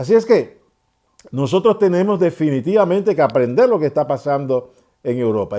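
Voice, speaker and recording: A man speaks at a moderate pace with a dark, mellow tone. His pitch swings very widely. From Panama. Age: 70s. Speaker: retired dentist, social commentator. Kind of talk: opinion monologue addressed to authorities. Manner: indignant, emphatic.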